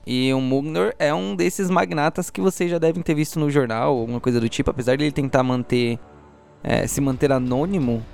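Homem narrando RPG, voz de tom médio. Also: male voice, mid-range voice, smooth. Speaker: game master and narrator. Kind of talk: improvised narration of a tabletop audio drama.

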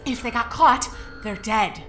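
A woman's voice: fairly high pitch, measured pace, sharp tone, soft background music. A woman playing a brash, blunt, impatient young female prisoner in an audio drama. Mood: irritated.

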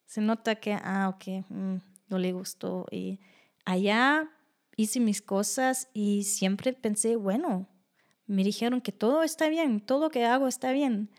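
A young woman from Germany with a German accent, speaking Spanish as a second language, telling stories from her life in a casual interview and acting out the people she quotes. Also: a little slow. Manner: animated, acts out quoted voices with high pitch jumps. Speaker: guest.

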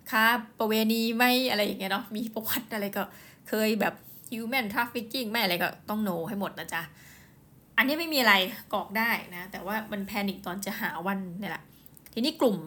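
A woman hosting her own show, telling a personal story in a casual, animated way, with quick asides and exclamations, and often speaking straight to her listeners. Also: mid-range voice. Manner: chatty, animated, often addresses listeners directly. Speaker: host.

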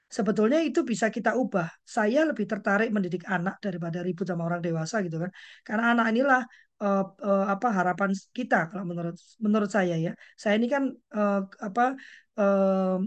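A woman's voice: mid-range voice, fairly quick. A woman hosting a parenting discussion who talks bluntly and emphatically. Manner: blunt and emphatic, acts out quoted voices. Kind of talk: outspoken panel discussion.

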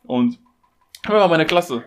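A man's voice: a little high, expressive, slow, a little hiss or hum. A man telling stories casually in street slang, as a podcast guest. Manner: German street slang, peppered with Digga and Bruder.

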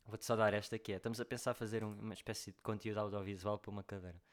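A man's voice: on the low side, little pitch movement, racing. A man, co-hosting a casual chat in a slangy, joking, rambling way. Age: 20s. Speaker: podcast co-host.

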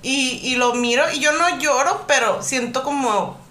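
Woman cohosting a podcast, calm explainer tone, a bit high, roomy echo. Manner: explanatory, measured, with fillers. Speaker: podcast co-host. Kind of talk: casual podcast chat.

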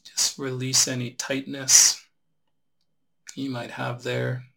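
Male meditation instructor, crisp bright tone with plenty of vocal fry, unhurried step-by-step guidance. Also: mid-range voice, completely flat delivery. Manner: unhurried instruction with long pauses. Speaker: meditation teacher. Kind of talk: guided relaxation meditation instruction.

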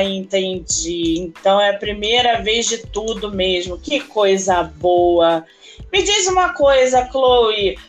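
A woman with a Brazilian Portuguese accent hosting a podcast interview, effusive and drawn-out in her speech. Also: medium pitch. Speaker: podcast host.

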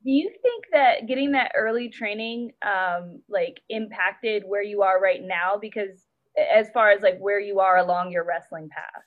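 A woman interviewer asking casual questions in an eager, expressive way, laughing along with her guest. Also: mid-range voice, normal speed. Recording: tinny phone-like line.

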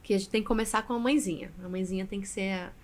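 A woman's voice: medium pitch, very fast. A woman, a guest Catholic singer telling her story expressively in a casual podcast interview. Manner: expressive storyteller, often adds "né".

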